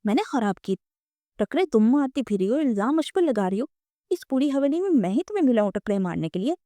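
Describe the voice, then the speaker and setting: Woman doing a cold curt young man, scolding, mellow voice, dry sound, audio novel. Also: a little high, big pitch swings, no room sound.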